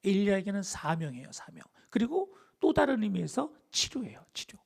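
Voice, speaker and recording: A man's voice: sits high, a little fast, creaky, slightly rough. A man preaching a sermon as a pastor. He asks the congregation questions, answers them himself, and drops into dramatic whispers. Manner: animated, dips into dramatic whispers.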